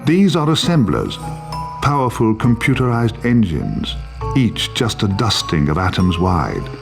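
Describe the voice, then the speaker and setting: Game cutscene narrator: creaky, highly varied intonation, solemn and emphatic, music behind. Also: male voice, sing-song, unhurried, full character voice. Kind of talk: scripted dramatic narration. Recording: clear music bed behind voice.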